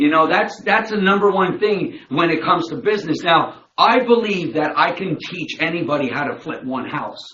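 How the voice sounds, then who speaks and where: A man speaks loudly at a high pitch with lively intonation. He hardly pauses at all. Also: moderate pace. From Quebec, Montreal. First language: not English (English is third language). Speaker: house flipper and business instructor. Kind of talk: motivational talk to audience. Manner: animated.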